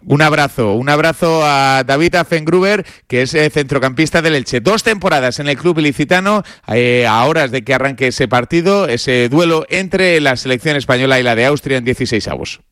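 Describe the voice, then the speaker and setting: A man's voice: mid-range voice, moderate pace, hardly any pauses, a bit bright, no echo, clean studio sound. A man from Spain hosting a radio sports interview, asking questions in a friendly, encouraging way.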